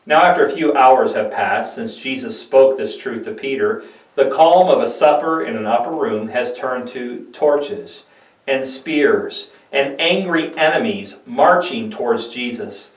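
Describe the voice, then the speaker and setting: A man giving a solemn, deliberate scripted dramatic narration of scripture, like a pastor reading. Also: mid-range voice, animated. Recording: echoey room, distant microphone.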